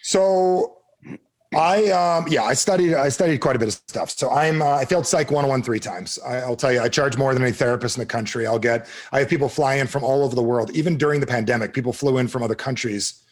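A man's voice: mid-range voice, fast talker. Emphatic man from New Jersey, casual guest. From New Jersey, United States. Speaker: guest, author and coach. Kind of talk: casual interview talk.

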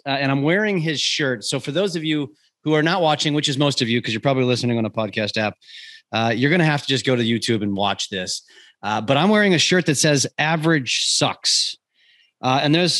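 A man's voice: fairly high pitch, a bit bright, dry recording. A man hosting a podcast, sounding nasal from a summer cold, chatting loosely with plenty of fillers and restarts. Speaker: podcast host. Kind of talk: casual interview chat.

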